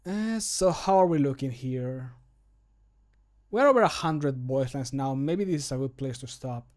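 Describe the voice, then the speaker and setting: A man's voice: mid-range voice, a little slow, a little mellow. A man in his thirties chatting casually and informally as a livestreamer. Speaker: streamer and game modder. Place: small room at home, indoors.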